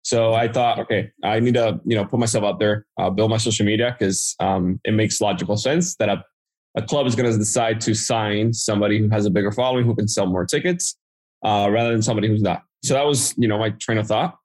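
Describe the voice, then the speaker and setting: A man's voice: on the low side, fairly quick, darkish tone. A man from the Dominican Republic, a native Spanish speaker with a Dominican accent, casually telling his story as a podcast guest. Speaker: podcast guest, marketing entrepreneur.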